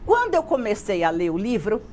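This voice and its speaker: A woman's voice: mid-range voice, wildly swooping pitch, fairly quick, darkish tone, a little hiss or hum. A woman from Brazil hosting a TV interview show, effusive and speaking straight to the viewers. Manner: effusive, addresses viewers directly. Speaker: TV talk show host.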